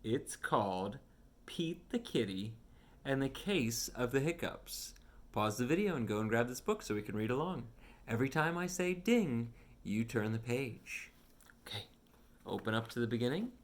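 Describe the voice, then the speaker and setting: A man reading a children's picture book aloud as a storyteller, with simple, deliberate phrasing. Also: medium pitch, sing-song. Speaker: read-along storyteller.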